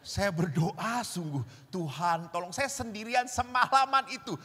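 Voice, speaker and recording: Animated Javanese priest in an echoing hall. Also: male voice, sits high, unhurried, a little hiss or hum. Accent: Indonesian, Javanese. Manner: animated storyteller acting out voices. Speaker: Catholic priest. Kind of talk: sermon with storytelling. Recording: reverberant hall.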